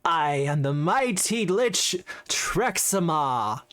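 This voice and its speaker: A man voicing a pompous male undead lich lord in a tabletop game, with a grandiose, gloating, drawn-out delivery. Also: fairly high pitch, very animated, fairly bright tone, full character voice.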